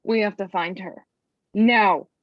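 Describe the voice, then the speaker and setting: A woman's voice: mid-range voice, slow, dry recording, close to an everyday voice. A woman playing a tough, urgent woman of a strikers' camp at a table read. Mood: urgent, worried. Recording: dry, slightly dull close sound.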